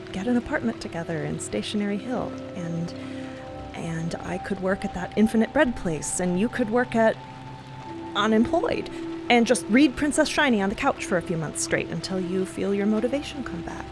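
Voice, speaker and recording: A woman's voice: mid-range voice, moderate pace, lightly acted. An actress playing an earnest, loyal, teasing young woman friend in an audio drama, speaking casually and with feeling. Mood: playful reassurance. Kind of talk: dramatic audio fiction acting, conversational. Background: music and rain sounds.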